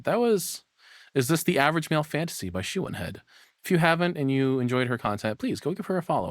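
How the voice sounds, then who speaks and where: A man's voice: mid-range voice, dry recording, clean studio sound. A man streamer giving casual, musing reaction commentary with sighs and sweary asides. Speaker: streamer and host of reaction videos.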